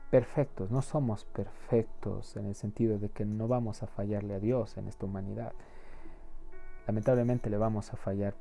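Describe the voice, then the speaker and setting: Man, preacher, earnest pleading sermon, dark mellow tone, faint music underneath. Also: lowish voice. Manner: earnest, pleading, repeats words as he searches. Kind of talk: sermon and closing prayer.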